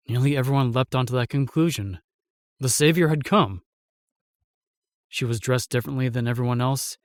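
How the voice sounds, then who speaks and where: A man playing a solemn, remorseful knight in a fantasy audio drama, telling things in a halting, weighty way. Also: medium pitch, no echo, clean studio sound, natural voice. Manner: halting, weighty storytelling with sighs and pauses. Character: solemn, remorseful knight, sworn protector of the realm.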